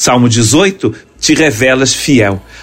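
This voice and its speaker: A man's voice over music in the background. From Brazil, Região dos Lagos (Rio de Janeiro state). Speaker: pastor. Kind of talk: sermon.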